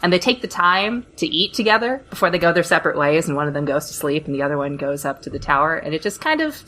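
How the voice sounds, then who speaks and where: Deep, bright-voiced woman panelist. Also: sing-song, fast talker. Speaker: podcast panelist. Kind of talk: casual discussion. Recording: slightly noisy hobby podcast.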